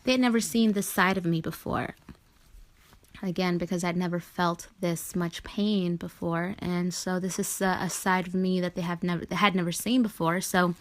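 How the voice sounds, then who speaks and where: A woman with a slightly low voice speaks as the host of a conversational spiritual talk show. Her way of talking is reassuring, and she keeps checking in with small phrases as she goes.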